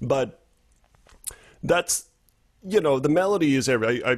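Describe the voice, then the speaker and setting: Here a man speaks at a very fast pace. His intonation is lively. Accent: Spanish. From Colombia. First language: Spanish. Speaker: jazz bass player and music educator. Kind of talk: online workshop lecture. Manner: halting, many fillers.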